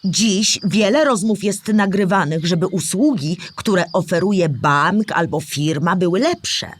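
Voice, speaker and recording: A woman's voice: lowish voice, measured pace, breathy edge. A woman playing an older storyteller who remembers the war, explaining history patiently in a scripted audio drama for children. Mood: patient, informative.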